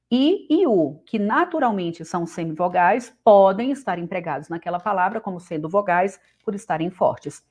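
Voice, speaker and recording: A woman's voice: medium pitch, a little mellow. Chatty Brazilian woman teaching grammar. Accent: Brazilian Portuguese. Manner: chatty, addresses the viewer directly with questions. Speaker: Portuguese teacher. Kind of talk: casual online grammar lesson.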